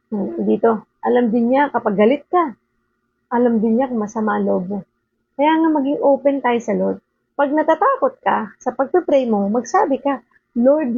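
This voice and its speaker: An older woman speaks earnestly at home in an informal devotional talk, often pausing to ask her listeners to agree. Her fairly high voice has a gravelly, husky edge. The sound is thin and phone-like, with no room echo. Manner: earnest, with frequent rhetorical "di ba?". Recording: narrow phone-like sound, dry.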